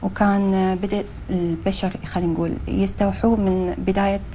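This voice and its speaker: Brief: young woman, Iraqi accent, TV studio guest, mellow tone, quick but hesitant with fillers. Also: medium pitch, little pitch movement, slight background noise. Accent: Iraqi Arabic. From Iraq. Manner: hesitant, many fillers, mixes in English phrases. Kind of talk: TV studio interview.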